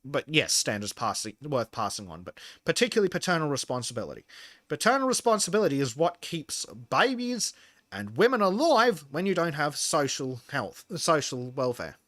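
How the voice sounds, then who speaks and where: A man's voice: fairly high pitch, big pitch swings, moderate pace, fairly bright tone, dry recording. A man with an Australian accent that he says mixes in American and English, lecturing bluntly and profanely in casual podcast chat. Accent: Australian, mixed with American and English. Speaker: podcast host.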